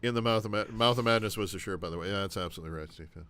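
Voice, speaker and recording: A man co-hosting a live show, cracking deadpan jokes in casual banter. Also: on the low side, rapid-fire. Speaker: co-host. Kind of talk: joking live-stream banter.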